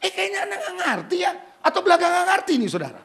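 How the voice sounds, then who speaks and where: Very high-pitched, gravelly male preacher. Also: huge pitch swings, fast talker, a bit bright. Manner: emphatic, peppers talk with rhetorical questions to the congregation; mixes in English phrases. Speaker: pastor. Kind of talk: sermon.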